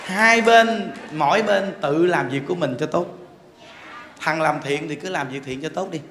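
A male monk giving a dharma talk in a lively, joking way, acting out quarrels with bursts of laughter. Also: a little high, a little slow. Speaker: monk teacher. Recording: echoey hall with faint background noise.

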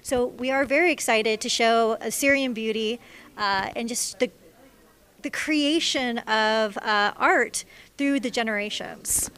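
A woman, presenting off the cuff on camera with frequent hesitant pauses. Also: fairly high pitch, fairly bright tone, clean tone. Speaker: exhibit presenter. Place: large indoor exhibition room. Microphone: handheld microphone.

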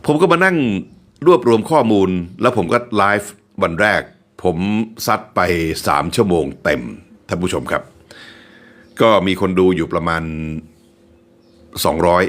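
A man's voice: deep voice, fairly bright tone. A man in his fifties from Thailand, hosting his own channel and telling his story to viewers in a chatty, self-deprecating way, laughing often. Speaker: channel host.

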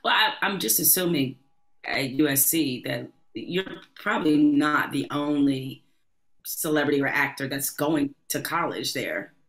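Podcast host lady, really deep voice, easy chatty questions into a close mic. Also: measured pace. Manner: relaxed, conversational questions with short backchannels. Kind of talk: interview questions. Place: home room with bookshelves. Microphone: studio mic close up.

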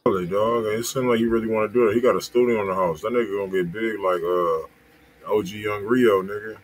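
A man's voice: fairly low pitch, fairly even intonation, brisk, a little hiss or hum, low-quality recording. A man co-hosting a music stream, chatting casually with profane slang and repeated affirmations. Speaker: music review stream co-host. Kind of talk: casual chat.

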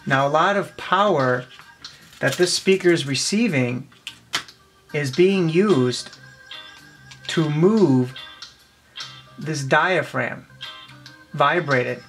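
A man in his twenties giving a casual hands-on explanation, a bit halting as he thinks aloud, recorded on a camera mic in a small office. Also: on the high side, fairly bright tone, faint music behind. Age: 20s. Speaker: presenter of a tech demonstration. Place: small cluttered office indoors. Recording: clear background noise, clicks of handling.

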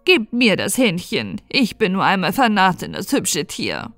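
A woman voicing a scheming old witch who coaxes and coos in a sing-song way, with soft music behind. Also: huge pitch swings, unhurried, exaggerated voice. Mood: wheedling. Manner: coaxing, sing-song cooing, high and loud. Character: scheming old female witch, sly and wheedling.

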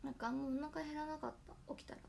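A hoarse young woman chatting casually on her livestream, thanking viewers by name for their gifts. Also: high-pitched, steady tone, racing, darkish tone, slight background noise. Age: young adult. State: hoarse after a nap. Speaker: idol livestreamer.

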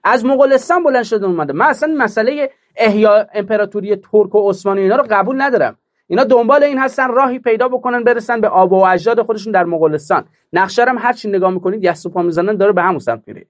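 A man delivering a political commentary monologue, emphatic and mocking, full of rhetorical questions. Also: sits high.

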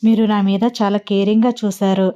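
A determined young pregnant student pleads politely yet firmly, voiced by a woman reading the story. Her tone is mellow and soft-edged. The sound is dull and lo-fi. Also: mid-range voice, flat delivery, brisk, clean tone, close to an everyday voice. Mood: grateful.

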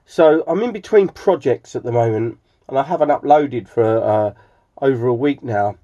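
A middle-aged man with an English accent gives a casual, rambling vlog narration in a halting, hesitant manner. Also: mid-range voice, animated, dark tone. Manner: halting, hesitant, with frequent throat clearing. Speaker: hobbyist video host. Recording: slightly dull home recording.

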